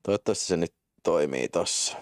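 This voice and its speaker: A man hosting a live stream, chatting casually with viewers and swearing at his own slips, then calling a game's events in quick excited play-by-play. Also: no room sound, clean studio sound. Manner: swearing, self-mocking, jumps to excited high-pitched play-by-play. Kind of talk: casual live-stream chat and game commentary.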